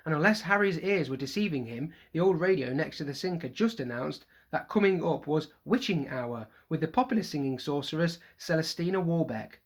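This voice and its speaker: A teacher reading a children's novel aloud to a primary school class in lively storytelling style. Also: medium pitch, slightly rough.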